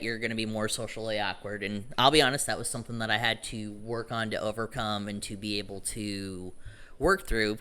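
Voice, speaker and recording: A man's voice: lowish voice, pushed and bright, clear, resonant tone. A young man talking casually to a group, rambling and correcting himself, frank and a little profane. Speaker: meetup attendee introducing himself.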